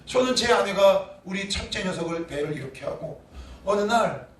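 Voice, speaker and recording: In a church sanctuary, a man in his forties preaches to his congregation, his voice sitting high, animated and at a moderate pace. His sermon is conversational and packed with rhetorical questions, recorded from a distant mic in an echoey space.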